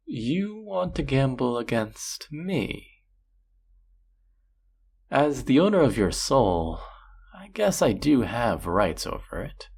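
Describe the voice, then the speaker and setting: A voice actor playing a flirty, possessive demon casino dealer in an intimate audio roleplay, teasing and taunting in a low, husky, breathy voice. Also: big pitch swings, a little mellow, full character voice. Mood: amused, intrigued. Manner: teasing, taunting, slow and drawn-out.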